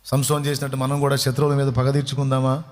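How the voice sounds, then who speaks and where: A man's voice: medium pitch, monotone, quick pace, long reverb tail, a little hiss or hum. A man preaching a sermon as a pastor, telling stories and asking his listeners questions. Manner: storytelling preacher who asks the listeners rhetorical questions.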